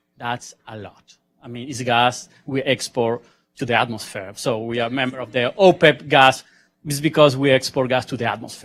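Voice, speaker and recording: A man speaks with a Venezuelan accent. His intonation stays fairly even. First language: Spanish. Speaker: energy consultant. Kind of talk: conference panel talk. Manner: halting.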